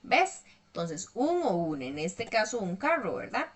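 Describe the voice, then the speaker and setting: A woman's voice: mid-range voice, big pitch swings, a little slow. A woman teaching an online English lesson, explaining patiently step by step and checking in often with her students.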